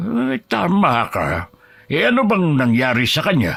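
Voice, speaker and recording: Using a put-on character voice, a man speaks raspy and fairly high-pitched at a fairly slow pace, with very wide pitch swings. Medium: read story.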